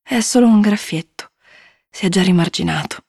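Woman reader doing a tired, curt older schoolgirl, guarded and low-key. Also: moderate pace, creaky, a little mellow, breathy edge, no room sound, clean studio sound. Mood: weary. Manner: weary, clipped, low-key. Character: tired, curt teenage girl, a prefect, guarded.

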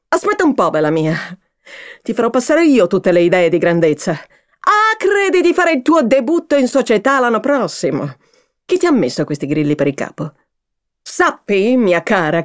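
A woman reading aloud and voicing an angry, vain mother who scolds her daughter with a hoarse, contemptuous voice. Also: low-pitched, dark tone, no room sound, studio quality. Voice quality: hoarse with anger. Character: furious domineering mother, vain and shrill. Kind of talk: audiobook character reading.

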